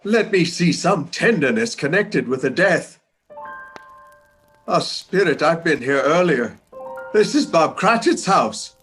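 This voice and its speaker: An actor playing an old miser, repentant and pleading, in theatrical, emotional radio drama style. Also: male voice, fairly high pitch, lively intonation, takes it slowly, a bit bright, faint music behind. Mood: solemn pleading.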